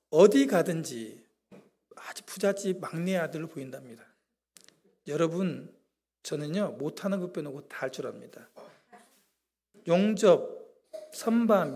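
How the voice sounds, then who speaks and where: Middle-aged male guest preacher, raspy fry-edged voice, humorous self-deprecating testimony. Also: a little high, a little mellow. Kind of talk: sermon testimony. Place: church.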